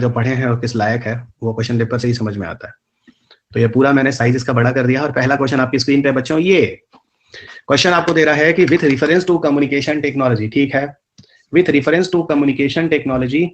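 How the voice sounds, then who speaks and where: Here a man with a mid-range voice, heard through dull audio, runs a live online exam-prep lecture. He has a rural north Indian Hindi accent, mixes English terms into rapid colloquial Hindi, and alternates rhetorical questions with scolding his students.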